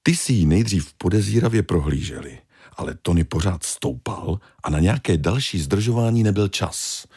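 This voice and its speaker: A man reading a children's fairy tale aloud, expressive and animated. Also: deep voice, slightly rough. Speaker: storyteller.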